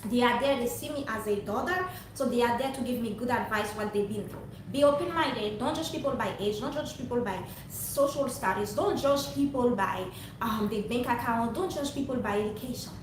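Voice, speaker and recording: A young woman from Haiti speaks to her viewers in a rambling, earnest monologue with a preachy streak. Her voice sits a bit high. She is recorded from some distance in a very echoey room with faint background noise. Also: a little fast. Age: young adult. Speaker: vlogger.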